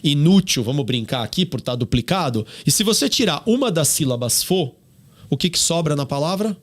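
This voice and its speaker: A man's voice: fairly high pitch, sing-song, a little fast. A man with a Brazilian Portuguese accent, speaking emphatically as a guest on a podcast and asking rhetorical questions. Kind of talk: podcast discussion.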